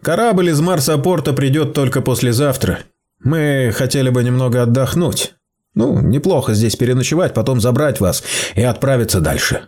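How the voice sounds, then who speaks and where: A man voicing calm male spaceship rescuers who speak matter-of-factly and reassure gently. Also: mid-range voice, normal speed, pitched above the performer's own voice, lightly acted. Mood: businesslike.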